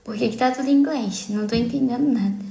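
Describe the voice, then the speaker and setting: A woman's voice: a little high, quick pace, creaky, warm tone, echoey room, rough recording. A young adult woman with a Brazilian accent chatting casually and playfully on a livestream. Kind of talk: casual live-stream chat. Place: small indoor room at home.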